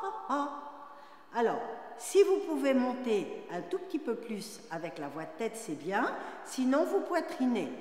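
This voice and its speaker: A woman teaching a dance class, calling out breathing cues and demonstrating vowel sounds that climb into high sung notes. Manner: demonstrates vowels on sung, rising pitches between spoken cues. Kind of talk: guiding a class through vocal warm-up exercises. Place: large dance studio. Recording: echoey studio with long reverb.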